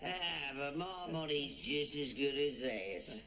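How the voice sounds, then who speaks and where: A man's voice: fairly high pitch, expressive, slow pace, over a noisy crowd. An actor playing a friendly, well-off middle-aged taxi firm owner from Birmingham, with a Birmingham accent, easygoing and boastful about his money. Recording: studio audience laughter behind.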